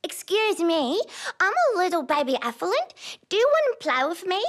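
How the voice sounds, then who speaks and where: A woman's voice: extremely high pitch, sing-song, normal speed, voice pushed up. A young woman voicing a cute, childlike, playful baby creature for an advert. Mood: playful, pleading.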